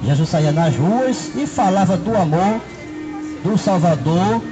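High-voiced street preacher. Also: male voice, animated, a little slow, muffled recording, over music. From Brazil. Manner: repetitive, fills with "né" and "não é". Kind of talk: open-air sermon. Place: city park square, outdoors. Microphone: handheld microphone.

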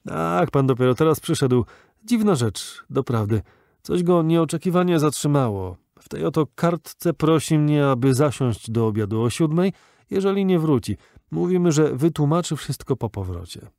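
A man's voice: on the high side, lively intonation, normal speed, gravelly, a little mellow, no echo, studio quality, voice pushed up. A man voicing a flustered middle-aged male doctor in an audiobook, speaking urgently in a raised voice. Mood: puzzled.

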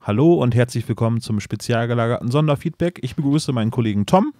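Casting: lockerer männlicher Podcast-Host, witzelnd, mittlere Stimmlage. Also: male voice, mid-range voice, fast, no echo, studio quality. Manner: relaxed, joking, laughs often. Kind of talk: casual podcast chat.

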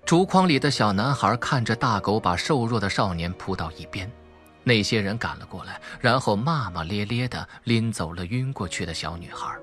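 A man's voice: fairly low pitch, expressive, normal speed, a bit bright. A man reading a novel as dramatic scripted narration. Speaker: audiobook narrator. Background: background music.

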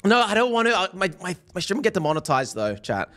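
A young man streaming a game live, excitable and worn-voiced, swinging from mumbles to yells. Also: sits high, fast, soft background music. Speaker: gaming streamer. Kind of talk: live-streamed gameplay chat.

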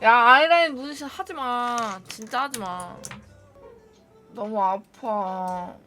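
A woman's voice: high-pitched, lively intonation, moderate pace, sharp tone, soft background music. A woman vlogging casually, whining and laughing at herself as she complains. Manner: whiny and self-mocking, laughing through complaints. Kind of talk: casual vlog chat. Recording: noisy street background.

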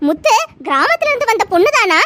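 A woman's voice: extremely high pitch, sing-song, fast talker. A woman voicing a lecturing cartoon doctor. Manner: lecturing, scolding kindly. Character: calm advising doctor. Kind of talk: cartoon voice acting. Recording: loud background noise.

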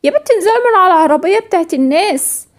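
A woman's voice: extremely high pitch, lively intonation, very fast. A woman voicing a scolding, matter-of-fact little girl with an Egyptian accent. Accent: Egyptian Arabic. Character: bossy little girl, the daughter's friend.

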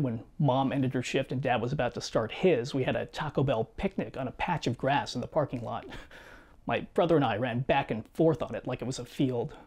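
A man in his thirties reading a scripted personal video essay in a measured, reflective way, seated in a small home studio. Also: mid-range voice. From United States. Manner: measured, reflective storytelling with quiet asides. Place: small home studio room with guitars and shelves.

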